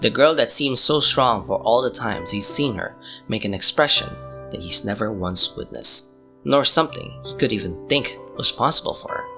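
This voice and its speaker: A young narrator delivers a slangy, exaggerated comedy review. The pitch leaps around and drops into creak, with music playing behind the voice. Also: animated, normal speed, pushed and bright, poor audio. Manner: crude, slangy, exaggerated mock-dramatic delivery. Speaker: YouTube manga reviewer. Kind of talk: comedic scripted recap narration.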